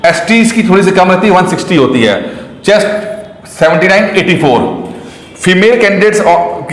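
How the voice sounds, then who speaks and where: A man teaching exam aspirants, chatty and repetitive, mixing English terms into his talk. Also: high-pitched. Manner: chatty, repeats points, mixes English terms into Hindi. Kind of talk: explaining exam rules to students. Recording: echoey room with long reverb.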